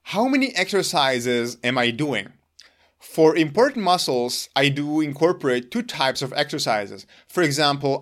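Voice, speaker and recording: A longevity vlogger whose first language is Hebrew earnestly explains his own exercise routine to the camera. He speaks deliberately and emphatically in a fairly high-pitched voice.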